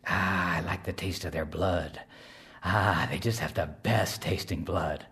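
A man voicing a greedy, sly male snake in a low, drawling voice. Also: a little slow, a bit bright.

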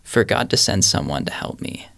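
A man's voice: on the low side, animated, normal speed, gravelly, fairly bright tone. A young man telling a personal faith story in an earnest, rambling way with many fillers. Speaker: panel guest. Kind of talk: casual faith discussion.

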